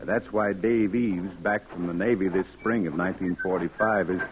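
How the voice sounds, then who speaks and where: A man's voice: sits low, steady tone, normal speed, lightly acted, low-quality recording. A young man with a Southern accent narrating and playing a Navy veteran coming home in a 1940s radio drama, earnest and plain-spoken.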